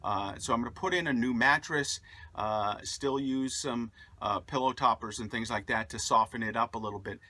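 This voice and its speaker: A man's voice: medium pitch, moderate pace, dry recording. A man in his forties talking casually to the camera inside a parked motorhome, with lots of "uh" fillers, recorded on a close camera mic. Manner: relaxed, many "uh" fillers, upbeat sign-off. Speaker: vlogger. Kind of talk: casual vlog talk to camera. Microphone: camera mic at close range.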